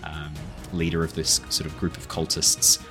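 A man's voice: a bass voice, monotone, normal speed. A man narrating a tabletop role-playing game as game master, agreeable and affirming towards his players. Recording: music underneath.

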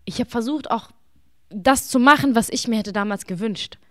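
A woman's voice: fairly high pitch, normal speed, no room sound. Young woman, arabic first language, earnest and emphatic, stops to hunt for words, dry close sound. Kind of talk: casual conversation.

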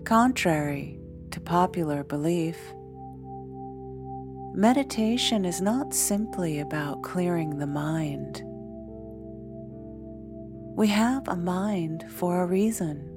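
Woman doing a guided meditation, really slow n soothing, lots of pauses, music behind her. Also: fairly low pitch, expressive. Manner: soothing, deliberate, long pauses between short phrases. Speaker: meditation guide, podcast host. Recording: background music. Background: soft instrumental music.

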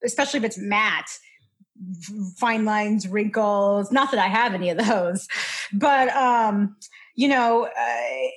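A woman's voice: mid-range voice, slow. A woman in her twenties, a podcast guest chatting casually, rambling and interrupting herself. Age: 20s. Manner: rambling, self-interrupting, laughing. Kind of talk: casual chat.

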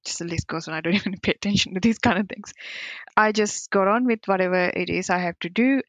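A woman's voice: lowish voice, dry recording. Candid woman guest with a muffled sound. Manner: candid, laughs often, non-native phrasing. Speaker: cybersecurity professional, podcast guest. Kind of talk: reflective interview answers.

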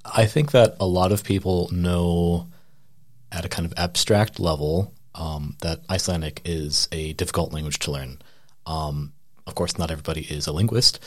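Deep-voiced male interviewer. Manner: measured, hedging with "kind of". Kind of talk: interview questions.

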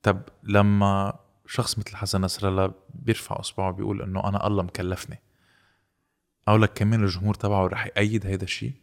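A man's voice: lowish voice, level tone, rapid-fire, vocal fry. A Lebanese man hosting a casual interview, asking probing questions and mixing in English words. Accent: Lebanese Arabic. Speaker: host.

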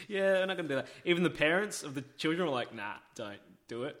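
Animated man telling a story. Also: fairly high pitch, fast. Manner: laughs easily, animated, swears casually. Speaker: podcast co-host telling a story. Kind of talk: casual storytelling chat.

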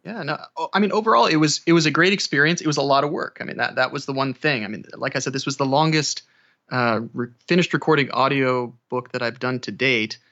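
A man's voice: medium pitch, fast talker, bright, forceful tone, dull audio. A man chatting casually as a podcast guest, talking about his work as a narrator in a hesitant way with restarted phrases. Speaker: audiobook narrator and voice actor.

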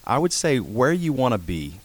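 A man's voice: mid-range voice, big pitch swings, normal speed. A middle-aged man from Georgia, a guest in a radio studio, talking in a folksy, rambling way with many self-corrections. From Georgia, USA. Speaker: orthodontist guest. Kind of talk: casual radio interview. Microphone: studio mic with headphones.

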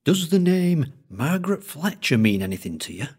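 A man voicing an older male collector with a thick Lancashire accent, speaking in a slow, droning storytelling way. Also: fairly high pitch, sing-song, a little mellow, slightly rough, voice pushed up.

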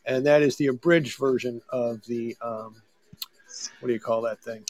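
A man's voice: mid-range voice, steady tone, moderate pace, noisy background. A man co-hosting a comedy podcast in casual banter and mock disclaimers, stumbling over words as if with a sore, swollen tongue. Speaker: podcast co-host.

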